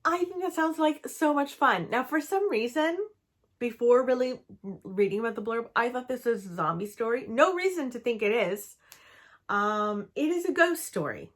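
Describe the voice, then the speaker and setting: A woman's voice: a little high, animated, normal speed. A young woman from Canada in a casual book-review vlog, chatty and enthusiastic, with lots of "um" and "like". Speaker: book vlogger.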